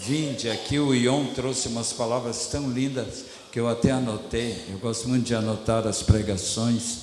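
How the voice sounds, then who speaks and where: Speaking fairly slowly with fairly even intonation, a man's medium-pitched voice comes through noticeable background noise and audible room echo. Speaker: preacher. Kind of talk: sermon.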